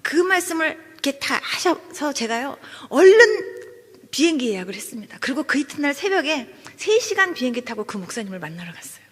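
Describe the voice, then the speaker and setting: A woman's voice: high-pitched, very animated, brisk. A woman pastor giving a sermon testimony, telling her story with animation and acting out the voices of people she quotes. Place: church sanctuary. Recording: church hall reverb.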